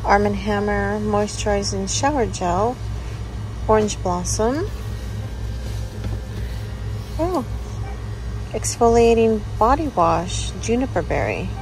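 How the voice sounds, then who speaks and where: Slow-talking woman in a store. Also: mid-range voice, animated, over music, rough recording. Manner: chatty, exclaiming over items. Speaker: vlogger. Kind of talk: shop-with-me vlog. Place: inside a large store. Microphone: handheld phone camera. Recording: store noise behind.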